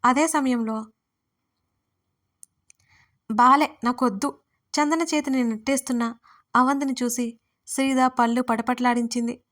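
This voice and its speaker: A woman narrating a serialized audio story, reading in a steady, measured way and speaking directly to listeners at the end. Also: on the high side.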